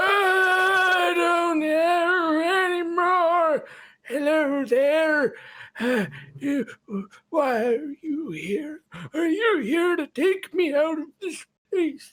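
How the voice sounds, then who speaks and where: A put-on character voice sits at an extremely high pitch. It goes at a very slow pace, broken by long, frequent pauses. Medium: actual play. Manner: doddering, querulous.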